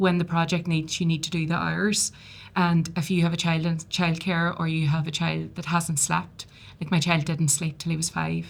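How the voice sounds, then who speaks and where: A somewhat breathy woman in a strong Irish accent, monotone and flat in intonation, at a moderate pace. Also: fairly low pitch for a woman. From rural Ireland. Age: 40s. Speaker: architecture digital design professional and mentor. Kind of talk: podcast interview. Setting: live at industry event.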